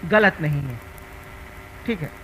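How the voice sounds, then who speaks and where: An older man gives a spiritual discourse, his voice high and bright. He talks in an earnest, storytelling way, stressing his points. A faint electrical hum sits under the recording. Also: lively intonation, slow, poor audio. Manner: conversational storytelling, earnest and emphatic. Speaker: spiritual teacher.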